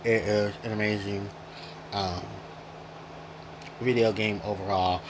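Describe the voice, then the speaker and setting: A man's voice: on the low side, fairly even intonation, takes it slowly, noisy background. A man hosting a casual gaming retrospective, rambling and correcting himself as he goes, chewing while he talks. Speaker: gaming video host.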